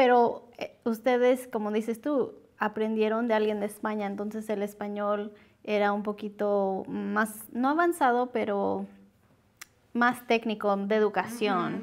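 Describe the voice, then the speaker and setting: Fairly even intonation marks a normal speaking voice that goes at a fairly slow pace. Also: woman, fairly high pitch for a woman. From California. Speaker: community TV interviewer. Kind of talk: interview. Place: studio. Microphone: lapel.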